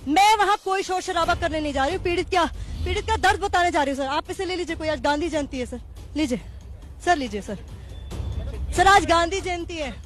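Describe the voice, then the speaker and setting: A woman field reporter reporting on the spot, pleading and insistently repeating her demands, with a dry throat. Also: extremely high pitch.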